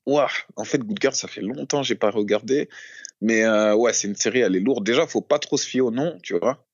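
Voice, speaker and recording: A man in casual chat, telling a story in a halting, slangy way with many fillers. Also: mid-range voice, dry recording, muffled recording.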